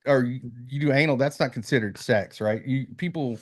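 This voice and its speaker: A man's voice: mid-range voice, a little fast. Man, podcast co-host, crude joking banter, rambling delivery. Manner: joking, loose, lots of fillers.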